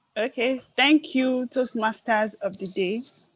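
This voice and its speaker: A woman talks at a fairly slow pace in a high pitch with ordinary pitch variation. Her sound is dry and close, without echo. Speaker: speech evaluator at a public speaking club. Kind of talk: speech evaluation.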